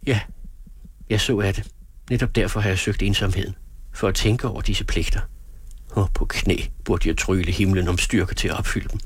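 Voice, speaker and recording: A man's voice: low voice, steady tone, slight background noise, natural voice. A man voicing an anguished young woman, raised and frantic. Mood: stern. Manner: intense, pleading and frantic. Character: young woman in anguish, rejecting her lover. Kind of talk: audiobook character voice.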